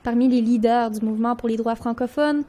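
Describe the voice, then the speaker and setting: Female reporter voice-over, high pitch, soft tone, measured delivery. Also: fairly even intonation, slight background noise. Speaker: reporter narrating. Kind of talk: news voice-over narration.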